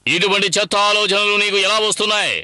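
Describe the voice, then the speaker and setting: A man's voice: high voice, fairly even intonation, fast, sharp tone, no echo. A man voicing a boastful, blustering stone-age hunter, husband and father in a dubbed cartoon. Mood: indignant, pleading. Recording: music behind the voice.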